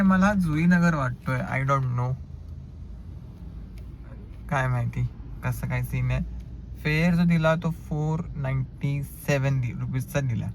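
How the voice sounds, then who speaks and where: Young male driver vlogger, Marathi accent, somewhat high voice, animated casual storytelling that acts out quoted customers. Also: slight background noise. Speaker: ride-hailing driver vlogger.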